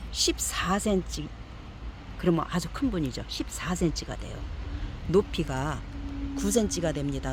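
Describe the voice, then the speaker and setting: Showing off succulent pots for viewers, a seller measures them and chats in a casual, coaxing, repetitive way. She has a fairly low-pitched voice, and the background is noisy.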